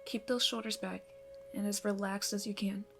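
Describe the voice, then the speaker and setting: Actress as calm, encouraging female yoga teacher for ASMR roleplay; soft, near-whispered guidance, medium pitch, light music underneath. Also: moderate pace, natural voice. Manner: soothing, breathy instructions, often softening toward a whisper. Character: gentle, encouraging female yoga instructor leading a morning class. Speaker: yoga instructor.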